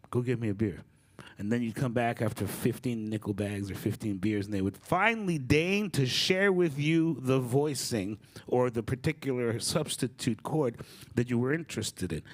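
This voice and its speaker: A middle-aged man giving a storytelling talk, animated and acting out the people he quotes. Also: medium pitch. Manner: animated, acts out quoted voices. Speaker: guest speaker. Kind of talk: storytelling lecture.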